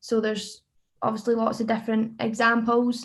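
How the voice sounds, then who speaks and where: With a Scottish accent, a woman speaks at a fairly slow pace in a fairly high, somewhat breathy voice. The background is quiet. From Scotland, Dundee. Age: 20s. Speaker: singer-songwriter. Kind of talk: online songwriting workshop. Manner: hesitant, many fillers and repetitions; casual.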